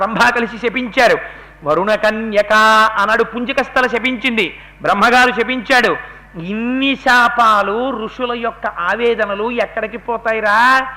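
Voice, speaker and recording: Man, devotional discourse, animated storytelling, high pitch. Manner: storytelling, acting out characters' speech with rising intensity. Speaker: religious discourse speaker.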